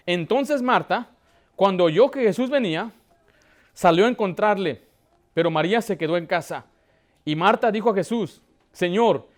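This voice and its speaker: A man with a high voice delivers a church sermon as pastor. He often stops to ask the congregation questions, and his delivery swells with emotion as he presses his point. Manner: preaching with rising emotion, asking the congregation questions.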